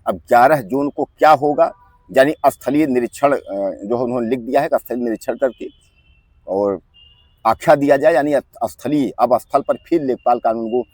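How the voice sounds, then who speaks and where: Man, news commentary, husky voice, dry close sound, calls viewers friends, repetitive filler phrase. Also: mid-range voice, normal speed, darkish tone, no echo. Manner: keeps inserting the filler "jo hai"; insistent, repeats points for emphasis.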